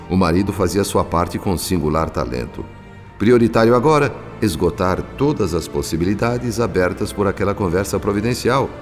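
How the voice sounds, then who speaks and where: A man with a Brazilian accent narrating a radio drama in a solemn, formal, literary manner. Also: sits low. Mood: solemn, ironic. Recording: long reverb, soft music behind.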